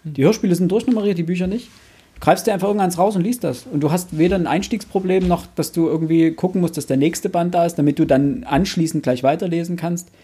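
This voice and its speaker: Mellow, slightly husky man explaining casually. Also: high voice, fast talker. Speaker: book podcast panelist. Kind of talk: casual discussion.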